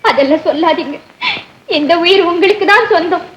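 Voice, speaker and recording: A woman's voice: extremely high pitch, brisk, fairly bright tone. A woman playing a devoted young film heroine, pleading in emotional 1960s movie dialogue. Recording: old film soundtrack with faint noise.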